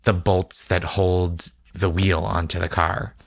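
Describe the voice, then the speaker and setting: A man's voice: low voice, little pitch movement, slow, vocal fry. A man co-hosting a podcast in casual chat, encouraging and playfully curious. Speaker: podcast co-host and listener.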